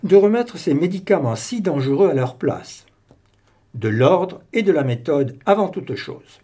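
A man's voice: fairly high pitch, animated, a little slow, mellow, slightly rough, voice pushed up. A man voicing a fussy, precise Belgian detective in an audiobook, with a prim, finicky manner.

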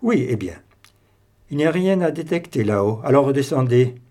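A man's voice: mid-range voice, lively intonation, normal speed, mellow, close to an everyday voice. A man voicing a blunt, impatient British army captain in an audiobook, brusque and emphatic.

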